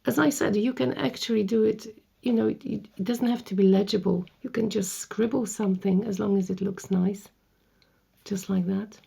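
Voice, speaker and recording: A woman with a slightly hoarse, croaky voice hosts a painting tutorial, chatting and thinking aloud as she works. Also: mid-range voice, steady tone, normal speed, dark tone. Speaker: art tutorial host. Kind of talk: casual painting tutorial narration.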